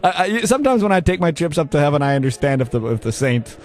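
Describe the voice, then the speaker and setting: A man's voice: on the high side, very animated, fast talker, darkish tone. A man hosting a comic radio show, teasing his guests with sarcastic, pushy questions.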